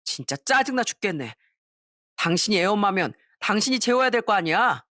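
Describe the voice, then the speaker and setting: A woman's voice: medium pitch, big pitch swings, brisk, fairly bright tone, no room sound, studio quality. A woman voicing an irritable, self-centered husband who complains and snaps. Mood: annoyed.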